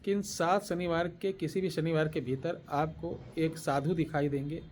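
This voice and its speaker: A man giving spiritual instructions and slowly dictating a mantra, repeating phrases and pausing to clear his throat. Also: a little high, steady tone, a little mellow, a little hiss or hum. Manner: slow deliberate dictation, chanting words one by one. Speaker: tantric spiritual teacher.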